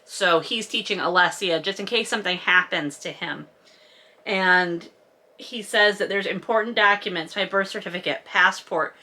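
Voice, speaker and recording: A woman with a bright, forward voice at a middling pitch talks through a book as a casual recap host. Her delivery is wry and sarcastic, mixing conversational summary with dry comic commentary. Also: moderate pace.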